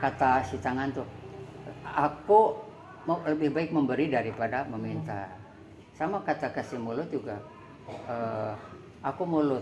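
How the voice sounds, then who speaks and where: A man with a medium pitch speaks at a moderate pace against noticeable background noise. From Sukabumi, West Java. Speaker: cultural figure, puppeteer. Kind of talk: interview answer.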